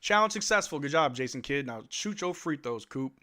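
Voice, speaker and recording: A man hosting a live watch-along stream, giving play-by-play commentary and joking reactions as an excitable fan talking to his chat. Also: a little high, a little fast. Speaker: livestream host.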